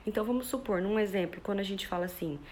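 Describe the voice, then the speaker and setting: A woman gives a live talk to parents as a parenting educator, in a voice of middling pitch. She works through everyday examples and keeps checking in with her listeners. A faint hum sits behind her phone mic. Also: rapid-fire, a little mellow.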